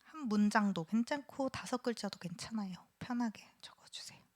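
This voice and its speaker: Animated woman lecturing a church class. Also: mid-range voice, moderate pace. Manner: animated, asks the class questions, drops to a whisper at times. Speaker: seminary lecturer.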